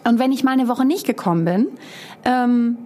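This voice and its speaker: A woman's voice: on the high side, normal speed. A woman from Hamburg, a guest in an interview, telling her own story frankly and acting out the lines of the people in it. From Hamburg, Germany. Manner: animated, acts out quoted dialogue. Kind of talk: candid personal storytelling.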